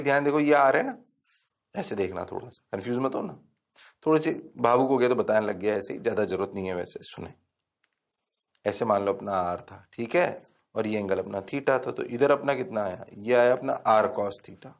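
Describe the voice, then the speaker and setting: A man teaching a physics lecture, playful, chanting formulas and answering himself in a mock student voice. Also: mid-range voice. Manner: sing-song repetition of formulas. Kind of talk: classroom lecture.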